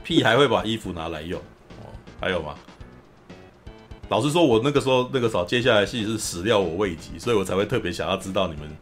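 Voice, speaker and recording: Fast-talking man recapping a film. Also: on the low side, faint music behind. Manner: animated storyteller, often acts out quotes. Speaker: podcast host. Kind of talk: casual film recap chat.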